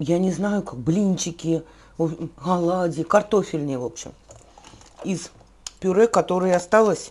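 Big swings in loudness from a woman's fairly low voice, at a fairly slow pace with ordinary pitch variation. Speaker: home video blogger. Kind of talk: casual vlog chat while eating. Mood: warm, chatty, laughing. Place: kitchen. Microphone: phone near.

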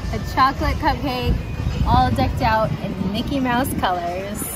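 There is loud background music. Over it, a woman talks. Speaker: food vlogger. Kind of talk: casual vlog chat. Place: cafe. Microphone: phone near.

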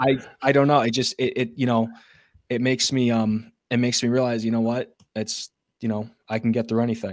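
Over a very clean, silent background, a man at medium pitch talks very fast in a flat monotone, broken by long, frequent pauses. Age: 20s. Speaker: YouTuber making comic analysis videos. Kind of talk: casual interview chat.

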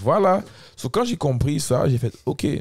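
Against a quiet background, a man speaks at a fairly quick pace, somewhat breathy, with lively intonation. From Montreal, Côte-des-Neiges; Montreal. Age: 20s. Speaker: rapper; podcast guest. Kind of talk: casual chat. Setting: studio. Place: studio. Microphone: studio mic.

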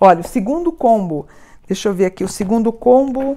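A woman's fairly high voice with a warm tone and very wide pitch swings. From Brazil. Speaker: spiritual author and course teacher selling her books. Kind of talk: sales pitch, street-seller style product demo. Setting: video to camera, showing books. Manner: animated, upbeat and enthusiastic, rattling off prices and bargains; warm, chatty, direct appeals to viewer. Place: home room. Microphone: lapel.

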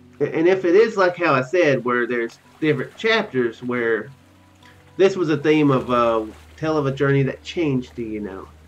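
Faint music can be heard behind the speaker. He is a man talking at a moderate pace. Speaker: game streamer. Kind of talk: casual gameplay commentary. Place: home room.

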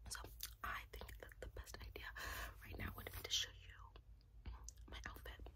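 A woman whispers at a moderate pace, soft-spoken throughout. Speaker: content creator. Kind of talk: ASMR casual chat. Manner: soft whispered ASMR talk. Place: home room. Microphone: phone near.

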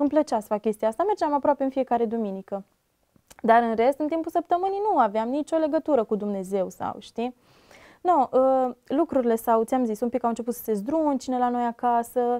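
Against a quiet background, a woman talks at a high pitch and a fairly quick pace, her intonation lively. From Oltenia, Romania (Craiova); Oltenia, Romania. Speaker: guest sharing faith testimony; guest. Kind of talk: testimony. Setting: studio. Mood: reflective, emotional testimony. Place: studio. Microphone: lapel.

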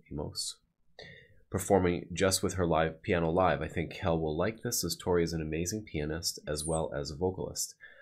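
A man's very deep, low voice at a fairly quick pace. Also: quiet background. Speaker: reaction channel host. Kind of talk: casual vlog chat. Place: home room. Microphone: studio mic.

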